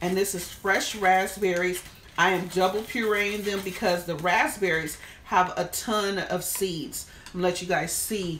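A woman's fairly slow, fairly evenly intoned speech over light background noise. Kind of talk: casual live-stream tutorial. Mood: cheerful and chatty. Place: kitchen. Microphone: phone near.

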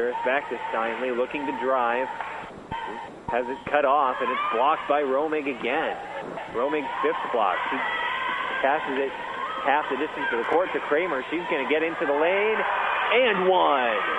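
A man speaks at a moderate pace with long, frequent pauses. The sound is dry with no echo, but the background noise is loud. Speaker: radio sports announcer. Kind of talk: live sports commentary.

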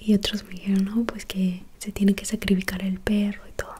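Soft-spoken whispering comes through over light background noise. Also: woman. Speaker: vlogger. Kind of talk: casual vlog storytelling. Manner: soft-spoken, near-whispered storytelling. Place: home room.

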